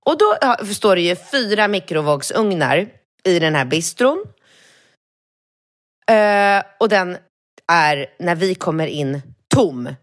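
A woman podcast host in casual chat, animated in her storytelling and swearing when worked up. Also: on the low side.

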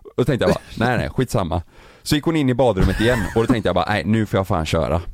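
A man with a very low voice tells a story in casual chat with friends. He acts out every quote and swears freely. The sound is dry and close to the mic. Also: expressive, dry recording. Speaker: podcast host telling a story.

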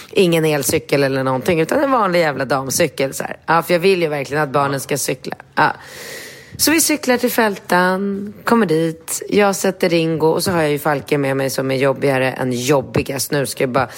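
A woman, co-hosting a casual podcast chat. She tells an animated story, acts out quotes in a high voice and swears casually. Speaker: podcast co-host.

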